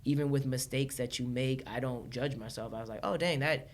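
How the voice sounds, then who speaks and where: A woman from Los Angeles, a podcast guest chatting casually, animated, laughing often and restarting her sentences. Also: a bass voice, fairly quick. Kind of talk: casual chat.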